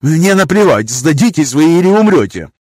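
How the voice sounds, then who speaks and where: Мужчина изображает визгливого нервного учёного. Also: male voice, big pitch swings, normal speed, dry recording. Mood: desperate. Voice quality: shrill falsetto, quavering. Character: panicky older male master scientist, shrill.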